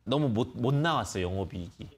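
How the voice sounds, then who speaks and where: A man's voice: mid-range voice, animated, fast, husky. A man hosting a live phone-in stock show, patiently explaining prices to callers with many fillers. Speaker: stock market expert host.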